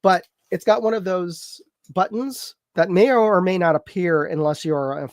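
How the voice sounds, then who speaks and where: A man's voice: high-pitched, a little slow, dry recording, studio quality. A man with a congested voice from a cold, hosting a live chat show in a rambling, conversational way and talking to viewers. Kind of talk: casual live-stream chat.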